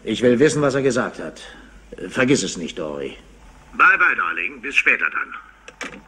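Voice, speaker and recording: A businesslike husband on a car phone in a radio play. His patronising voice swings up and down in pitch and comes through bright and sharp with the telephone filter. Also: sing-song, moderate pace. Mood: urgent, smooth. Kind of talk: German crime radio play acting.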